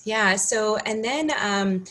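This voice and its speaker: A woman's voice: medium pitch, takes it slowly, fairly bright tone, low-quality recording. A woman in her thirties from Ukraine, a pharmacist guest chatting in an interview, earnest and given to restarts. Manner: earnest, restarts often, many "you know"s. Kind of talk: casual interview chat.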